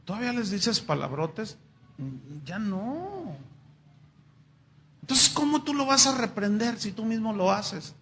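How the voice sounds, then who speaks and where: A middle-aged man preaches a sermon in a church, his voice pitched high with a gravelly edge. He talks to his congregation conversationally, tossing in rhetorical questions. A faint hiss sits under the recording. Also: sing-song, a little slow, fairly bright tone. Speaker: pastor.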